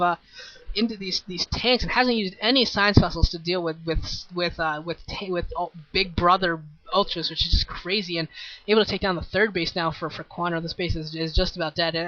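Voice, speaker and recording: A man casting a video game match solo, rambling and repeating words, with excited bursts and a voice starting to tire. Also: sits high, highs cut off. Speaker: esports caster. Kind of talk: solo play-by-play commentary.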